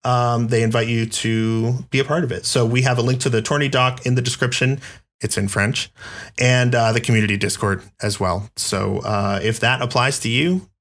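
A man hosts a laid-back podcast and runs through a list of community news items. His delivery is relaxed and conversational, with plenty of ums and uhs between points. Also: medium pitch, moderate pace. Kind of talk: casual chat.

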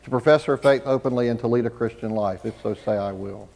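A man's voice: medium pitch, gravelly, darkish tone. Male pastor praying in cathedral-like echo. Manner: measured, ceremonial phrasing. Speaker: pastor leading a baptism. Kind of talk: church liturgy, formal spoken prayer. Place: large church sanctuary. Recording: echoey church hall, long reverb.

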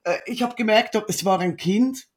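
A woman co-hosting a casual talk, reacting warmly and telling a story with lively expression. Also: medium pitch, normal speed. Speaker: visualization coach, podcast co-host. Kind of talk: casual chat.

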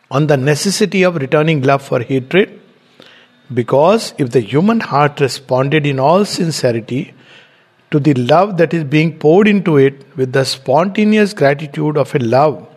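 A middle-aged man speaks in a measured, explanatory way. His voice sits a little high for a man. He talks like a teacher giving a spiritual lecture and slows down when he reads passages aloud. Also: breathy edge. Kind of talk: reflective lecture with read-out quotes and commentary.

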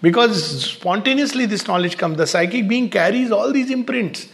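Man, gravelly and a touch high-pitched, steady reflective spiritual speaker, measured pauses. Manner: unhurried, pausing often in short phrases.

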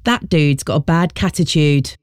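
A woman playing a young late-night radio host in her twenties, slow and soothing on air, in an audio drama. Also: deep voice, clear, resonant tone, close to an everyday voice. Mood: flustered. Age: 20s.

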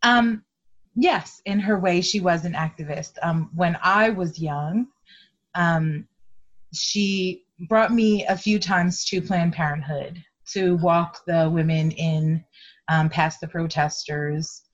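A middle-aged woman with a notably low voice, reflecting in a hesitant, thoughtful way, pausing often. She comes through a dull, lo-fi remote line. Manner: hesitant, thoughtful, many ums. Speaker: guest, activist. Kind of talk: conversational interview.

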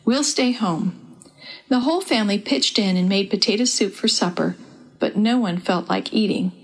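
A woman narrating a dramatized children's story in an even, warm storytelling manner. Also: mid-range voice, a little fast, gravelly, rough recording.

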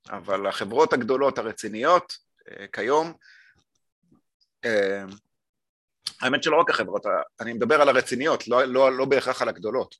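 Halting Israeli man in his forties. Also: mid-range voice, fairly bright tone. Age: 40s. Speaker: podcast guest, marketing consultant. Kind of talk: casual explanatory chat.

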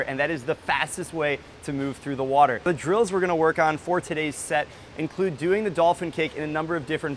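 A man's voice: a little high, fairly bright tone, slight background noise. A man speaking as a swim coach, giving an encouraging instructional explanation of a workout and its drills.

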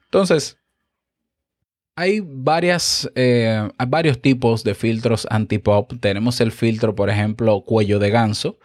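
A man's voice: mid-range voice, slow pace, no room sound. Man teaching podcast craft, dry close mic. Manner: animated, explanatory, checks in with the listener often. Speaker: podcast host and instructor. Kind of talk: instructional podcast talk. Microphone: close studio microphone with compressor.

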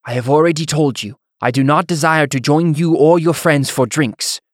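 A man's voice: a little high, moderate pace, no room sound, clean studio sound, voice pushed up, close to an everyday voice. A man voicing a proud, confused and angry immigrant island worker in a fantasy audiobook, with a thick foreign accent and stiff, formal phrasing. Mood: firm refusal.

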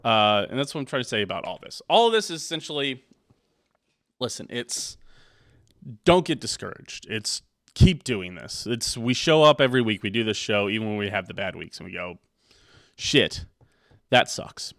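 A man's voice: fairly low pitch, expressive, brisk, fairly bright tone, dry recording, studio quality. A man co-hosting a podcast, talking candidly and encouragingly, rambling with frequent restarts. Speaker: podcast co-host.

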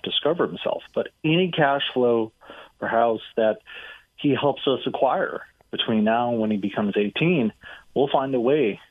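Middle-aged male investor guest, energetic, heard over a tinny phone line. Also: mid-range voice, no room sound. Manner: energetic, fluent, fond of "right?" and "like". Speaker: real estate investor guest. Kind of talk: radio interview answers.

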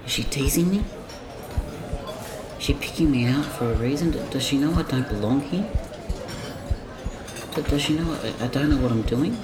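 A man playing an anxious autistic man, stammering and repeating himself in a fretful inner monologue in an audio drama. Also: a little high. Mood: nervous, suspicious. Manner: stammering, halting, repetitive, fretful. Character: anxious autistic man spiralling over a coffee order. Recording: noisy, echoing room sound.

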